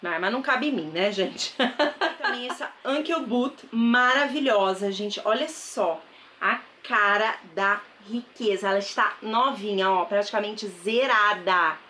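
The thrift vlogger, a woman in her thirties with a Brazilian Portuguese accent, speaks a little slowly in a medium-pitched voice with a sharp tone. She chats enthusiastically to viewers in a casual haul vlog, recorded on a close camera mic in an indoor bedroom with a wardrobe.

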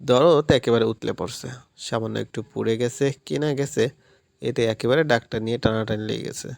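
Gravelly male storyteller. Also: medium pitch, fairly quick, a little mellow. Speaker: story narrator. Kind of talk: scripted audiobook narration.

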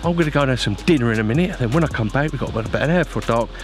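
A man's voice: mid-range voice, lively intonation, very fast. A man chatting casually to viewers as an angler presenting a vlog, informal and matey, giving practical advice.

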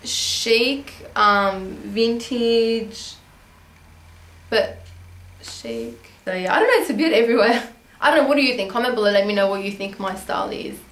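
A woman's voice: medium pitch, big pitch swings, moderate pace. Chatty young woman in an echoey bedroom. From Australia. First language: Armenian. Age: young adult. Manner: chatty, rambling, many ums and restarts. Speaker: beauty vlogger. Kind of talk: casual Q&A chat. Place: small bedroom indoors.

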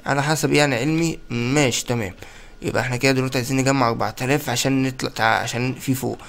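A young man with an Egyptian Arabic accent giving excitable, chatty let's-play commentary and talking straight to his viewers. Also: medium pitch, racing, creaky. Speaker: gaming YouTuber.

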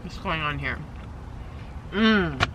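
A woman's voice: low voice, expressive, slow pace, fairly bright tone, highs cut off, slight background noise. A woman in her thirties vlogging from inside a parked car, chatting effusively about her food and cooing at her cat. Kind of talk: casual food-tasting vlog chat. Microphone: camera mounted on the dashboard.

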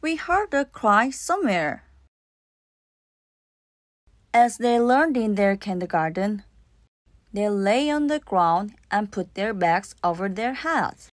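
A woman's voice: medium pitch, very animated, measured pace, no echo, studio quality. A woman reading scripted narration for a children's audiobook. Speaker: storybook narrator.

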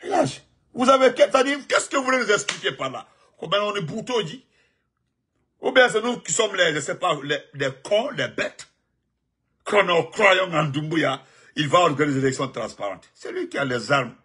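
A man delivering a heated, mocking political monologue, given to sudden high outbursts and laughter. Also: animated, moderate pace, pushed and bright, slightly rough. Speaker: political commentator. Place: United States.

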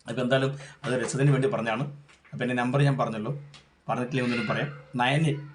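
A man's voice: medium pitch, steady tone, very fast, slight background noise. A middle-aged man, giving an earnest, rambling product testimonial.

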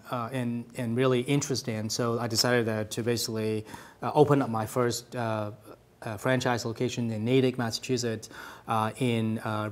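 A man in his forties from Hong Kong sits at a studio table and tells his story in a halting way, full of fillers and restarted phrases. His voice sits at a middle pitch, picked up close on a lapel mic in a small TV studio. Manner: hesitant, many fillers and restarts. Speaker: franchise owner, interview guest. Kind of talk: casual interview answers.

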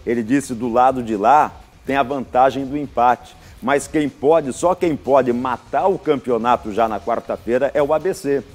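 A man's voice: mid-range voice, moderate pace, hardly any pauses, a little mellow. A middle-aged Brazilian man giving football analysis on a TV studio show, emphatic, repeating his points, with folksy sayings. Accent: Brazilian Portuguese. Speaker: football commentator. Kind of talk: live TV sports analysis.

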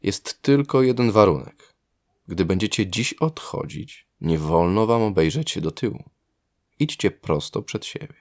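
A man voicing a gentle young male water elf, courteous and lyrical, in a storybook audio tale. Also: fairly low pitch, lively intonation, measured pace. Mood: gentle, instructive.

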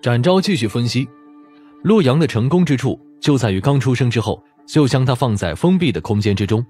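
Audiobook narrator, male, dramatic scripted delivery, breathy edge, widely moving pitch. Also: animated, fairly quick, a little mellow, faint music behind.

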